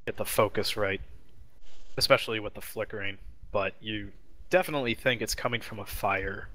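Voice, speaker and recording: A man narrating a tabletop role-playing game as game master, improvising haltingly as he searches for words. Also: fairly low pitch, bright, forceful tone.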